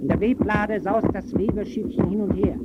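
A man's voice: high-pitched, normal speed, over loud music. A man reporting for old-time radio in formal, clipped, declamatory narration. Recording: very noisy muffled archival radio recording.

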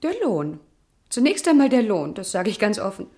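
An actress playing a polite, frank young housemaid in a German radio crime drama, speaking in a composed, matter-of-fact way. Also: female voice, mid-range voice, sing-song, normal speed, dark tone. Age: young adult. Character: self-possessed young housemaid, female, twenty-one, polite, frank.

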